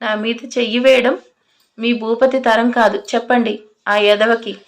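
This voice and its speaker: A woman voicing a furious, fearless male police officer who shouts threats. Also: a little high, little pitch movement, measured pace.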